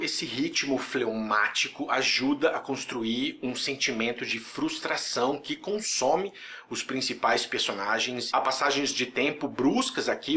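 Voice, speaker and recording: A man in a medium voice talking through a film review. He is casual and chatty, and he keeps slipping into playful impressions of people talking. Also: mid-range voice. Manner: lively, jokey, acts out quick voices and mock dialogue. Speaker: film critic.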